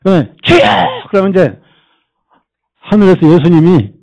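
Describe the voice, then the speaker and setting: A man's voice: sits high, normal speed, poor audio. Male pastor giving a sermon at church, voice swoops up and down a lot, keeps asking the crowd questions. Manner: animated, quizzes the congregation with rhetorical questions; mimics people and jokes to make points. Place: church service.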